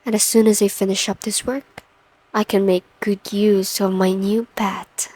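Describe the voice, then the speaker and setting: A woman plays a dominant lady boss in an intimate ASMR audio roleplay. She speaks slowly and deliberately, teasing and coaxing with calm command. The sound is dry, with no room around it. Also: medium pitch, dry recording, close to an everyday voice. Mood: possessive, pleased. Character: confident, teasing, dominant female boss in a suit.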